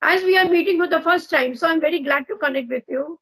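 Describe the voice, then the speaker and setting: A woman's voice: very high voice, fast, fairly bright tone. A woman with an Indian English accent hosting an English practice video call, asking friendly, encouraging questions. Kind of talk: casual video call chat.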